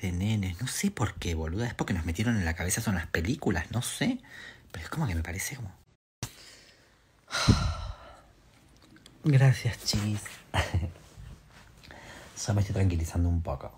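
A young man with a Rioplatense accent, vlogging in a casual, theatrical way. He is nervous and shaken, and his voice jumps into high squeals and laughter. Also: animated, brisk, slight background noise. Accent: Rioplatense Spanish. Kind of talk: casual chat to the camera.

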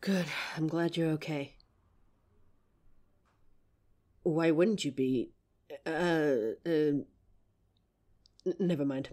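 A woman's voice: low voice, slow pace, warm tone. A woman voicing an anxious werewolf girlfriend. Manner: hesitant, stammering, sighing often. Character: anxious young female werewolf, protective girlfriend. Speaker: voice actor in audio roleplay. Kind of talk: audio roleplay for a listener.

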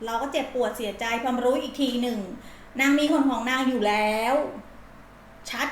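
A woman's voice: fairly high pitch, normal speed, slight background noise. A woman doing a casual tarot reading, speaking bluntly and in slang as she dramatically acts out the listener's feelings. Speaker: tarot reader. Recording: roomy echo.

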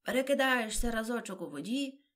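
A melancholy sea turtle creature who drags out its words in a slow singsong, fussy and lamenting, as a woman reads it aloud. The delivery rises and swells loudly on the chanted verses. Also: fairly low pitch, animated, vocal fry, husky, heavily acted.

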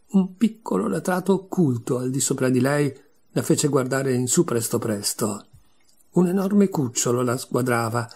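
A male audiobook reader narrating a classic children's tale. His reading is measured and expressive. His voice sits in an ordinary middle pitch. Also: husky. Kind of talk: scripted narration of a classic storybook.

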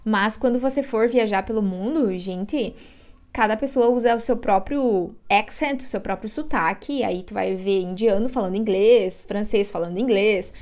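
A Brazilian woman in her thirties teaching an online English lesson. She says each word slowly, draws it out and repeats it, recorded on a webcam at a desk in a room at home. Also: mid-range voice, darkish tone. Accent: Brazilian Portuguese. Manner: slow, drawn-out modeling of words, repeating each one.

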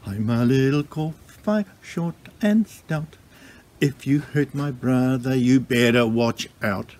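A man voicing a small, stout, feisty female kowhai tree in a children's story, yelling boldly to protect a brother. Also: mid-range voice, takes it slowly, lightly acted. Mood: sung warning. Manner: bold yelling and sing-song threats.

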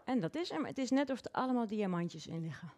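A woman's voice: mid-range voice, expressive, fast, warm tone. A woman nail technician demonstrating a nail design in a live online workshop, cheerful as she talks through each step. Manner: cheerful, narrates her own hand work step by step.

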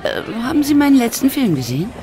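An actress playing a haughty, theatrical film diva in a radio play, affected and dramatic in manner. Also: female voice, high-pitched, very animated, fast talker. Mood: gracious, affected. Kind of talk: German radio play acting. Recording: party crowd and music behind.

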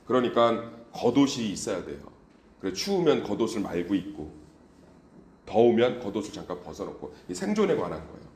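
Animated male pastor preaching, echoey hall. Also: lowish voice, fairly quick, a little hiss or hum. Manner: animated, exhorting congregation. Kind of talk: sermon.

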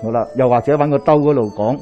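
A middle-aged man with a Hong Kong Cantonese accent, a Daoist priest giving a lecture to a live audience, telling stories with lively rhetorical questions as he moves about. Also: medium pitch, quick pace, lo-fi sound, soft background music. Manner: animated storytelling with rhetorical questions, pacing while gesturing. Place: small lecture hall indoors, in front of a screen.

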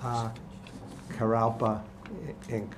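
A man's voice: medium pitch, monotone, takes it slowly. An older man with a Boston accent, an attorney explaining a deal to a board in an affable, casual way. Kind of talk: formal testimony. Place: city hall hearing room. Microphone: table microphone. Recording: noisy government TV meeting audio.

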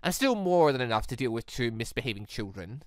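British gamer doing stern old headmaster guy from a visual novel, low n measured, menacing, formal. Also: very animated, dry recording, lightly acted.

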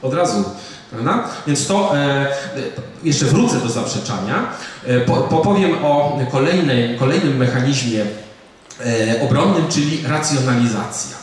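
A man's voice: mid-range voice, animated, a little slow, slight background noise. A middle-aged man, a psychiatrist, giving a public lecture in a conversational way, often asking his audience "right?". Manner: conversational, with fillers and rhetorical "prawda?". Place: audiovisual hall of a museum. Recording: echoey hall, speaker far from the mic.

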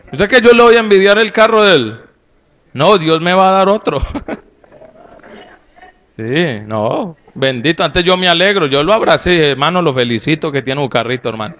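Un hombre con acento colombiano predica un sermón con su propia voz, algo aguda y de timbre limpio y resonante. Habla de forma campechana y jocosa. Lanza preguntas y comentarios directos a los fieles. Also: male voice, a little high, normal speed, pauses often. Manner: folksy and humorous, with lively asides to the audience. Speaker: pastor. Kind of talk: sermon to a congregation.

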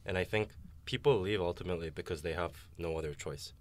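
A young man with a very deep, low voice talks through his experiences in a casual discussion. He is frank and reflective and slips in self-deprecating jokes. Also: quick pace. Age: young adult. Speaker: university student.

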